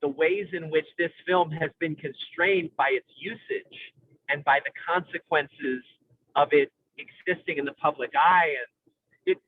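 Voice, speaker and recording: A man in an analytical, conversational film discussion, speaking in an intellectual, halting way with academic vocabulary as he searches for words. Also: on the high side, slight background noise. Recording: tinny phone-like radio-style sound.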